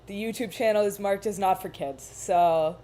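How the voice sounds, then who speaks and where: A woman's voice: mid-range voice, moderate pace, warm tone. A young woman chatting casually on a video call, rambling and thoughtful, often laughing at herself. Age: young adult. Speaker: cast member of a charity reading livestream. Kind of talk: casual chat.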